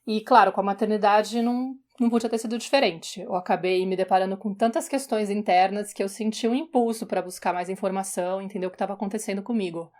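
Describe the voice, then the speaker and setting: A woman's voice: medium pitch, fairly even intonation, fast, hardly any pauses, a little mellow. A woman, co-hosting a podcast and telling her story in a conversational way with small restarts. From São Paulo, Brazil. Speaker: podcast co-host, journalist. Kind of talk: casual personal storytelling.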